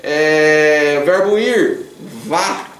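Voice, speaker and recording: A man's voice: a little high, drawn-out words, fairly bright tone, recorded from a distance. A Brazilian man teaches in a slightly raised voice. He sounds patient and chatty, checks in with his listeners often, and fixes his own words as he goes. He stands a few steps from the mic in an echoey room with a faint hum behind him. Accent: Brazilian Portuguese. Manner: patient and chatty, asks the class questions and tags sentences with a questioning "né?"; corrects himself mid-sentence while writing on the board. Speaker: Japanese teacher.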